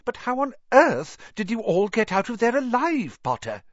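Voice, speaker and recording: A man voicing a stern, brisk older female teacher. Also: very high-pitched, sing-song, no echo, lo-fi sound, voice pushed up, heavily acted.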